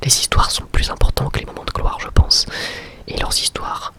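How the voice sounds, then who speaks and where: A young adult man gives an informal, slangy ASMR review in a breathy, unvoiced whisper. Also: moderate pace, sharp tone. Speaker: ASMR creator and anime reviewer.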